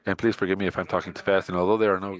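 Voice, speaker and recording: Speaking English as a second language, a conference speaker from Costa Rica races through his talk in a low-pitched, flat voice. He hesitates often, filling gaps with "uh" and restarting sentences.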